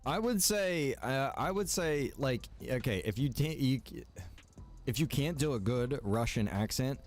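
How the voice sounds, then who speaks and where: A man's voice: medium pitch, animated, a little slow, faint music behind. A man streaming a game, chatting casually with viewers, rambling and joking as he plays. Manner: rambling and joking, chats to viewers and reacts while playing.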